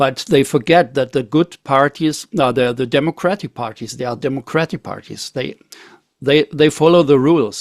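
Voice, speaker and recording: At a moderate pace, a man with a German accent speaks with ordinary pitch variation, the sound dry and close with no echo. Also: fairly high pitch for a man. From Germany. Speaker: interviewer, musician and caricature artist. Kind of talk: interview. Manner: halting.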